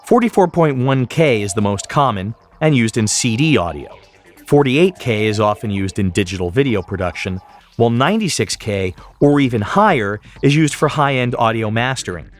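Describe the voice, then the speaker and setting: A man presenting a tutorial in scripted, explanatory narration, enunciating each term clearly. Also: medium pitch, expressive, moderate pace, faint music behind.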